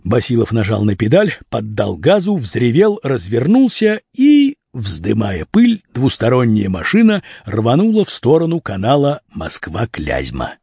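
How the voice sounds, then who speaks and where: A man narrates a story aloud with animated, lively delivery. His voice is husky with a slightly high pitch. The recording is dull and very dry. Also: a little slow, hardly any pauses, dry recording. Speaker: audiobook narrator. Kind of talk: expressive storybook reading.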